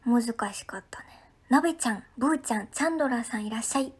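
A woman with an Ehime accent, chatting casually on a livestream and reading out viewer comments. She is friendly and talkative and often drops into soft, breathy asides. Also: a little high, quick pace. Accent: Ehime Japanese. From Ehime, Japan.

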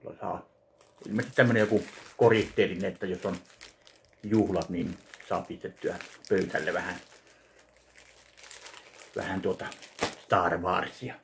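Low gravelly man unboxing at home. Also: fairly even intonation, slight background noise. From Finland. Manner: slow, halting, listing items one by one. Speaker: vlogger unboxing a fan package. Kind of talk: casual unboxing commentary. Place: home kitchen indoors. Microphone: webcam at desk distance.

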